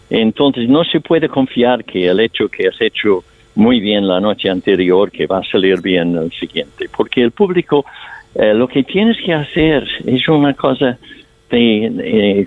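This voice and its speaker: A man's voice: mid-range voice, no echo. Older man, non-native Spanish speaker, stage actor, reflective storyteller, tinny phone-line sound, dry. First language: not Spanish. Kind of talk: radio interview answers.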